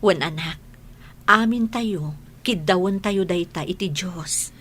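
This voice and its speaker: A woman playing a gentle, reassuring mother in a family drama. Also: lowish voice, takes it slowly, slight background noise. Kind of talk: Ilocano family drama acting.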